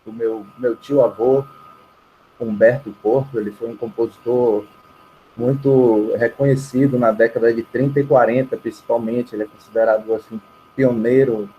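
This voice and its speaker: A man's voice: mid-range voice, normal speed, lo-fi sound. A man from Bahia, telling stories casually as a musician guest in an interview. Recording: clear steady background noise.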